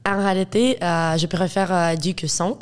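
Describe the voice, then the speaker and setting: Speaking at a moderate pace in a fairly low, clean voice, a young woman of eighteen from Ukraine talks in French, her second language after Russian and Ukrainian. As a student guest in a casual interview, she has a Ukrainian accent and is hesitant, filling gaps with fillers and laughs.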